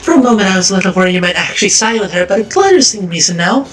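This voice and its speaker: A man's voice: expressive, racing, fairly bright tone. A man doing a haughty elegant young woman. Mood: confident. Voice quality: strained falsetto. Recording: roomy distant mic, music behind.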